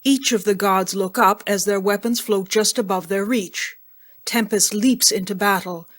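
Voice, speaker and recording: Female narrator: mid-range voice, reads scripted audio drama scene descriptions. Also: medium pitch.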